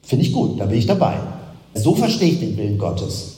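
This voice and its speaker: Male preacher, animated explanatory delivery, long hall reverb. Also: fairly low pitch, brisk. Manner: explanatory, builds up with rhetorical questions. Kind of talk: sermon with close reading of Bible verses.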